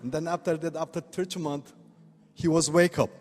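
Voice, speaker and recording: Older Korean man, slightly high voice. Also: steady tone, darkish tone. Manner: halting broken English, chuckles often. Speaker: speaker, oriental medical doctor. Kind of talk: presentation to a live audience. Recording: reverberant hall.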